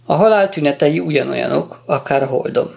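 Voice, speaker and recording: Precise professor doctor, careful and clinical, gravelly, read by a man. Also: fairly high pitch, darkish tone.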